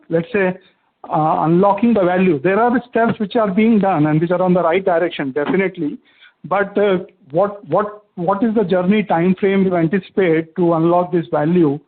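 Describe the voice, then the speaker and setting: Male investor caller, high voice, hesitant conversational questioning over a tinny telephone connection. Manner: hesitant, conversational, seeks agreement. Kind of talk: conference call questioning. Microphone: phone call. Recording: narrow tinny phone line.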